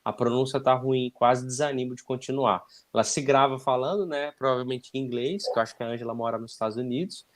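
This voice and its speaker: A man's voice: medium pitch, quick pace, few pauses. A man hosting a live stream, casually asking questions and reading out viewer comments. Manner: relaxed, asks follow-up questions, laughs.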